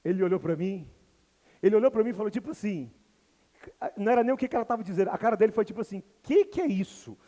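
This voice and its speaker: A Brazilian man teaches English to a live audience, turning the lesson into lively storytelling where he acts out the characters. His high voice comes in rapid-fire bursts broken by long pauses, trailed by a long reverb.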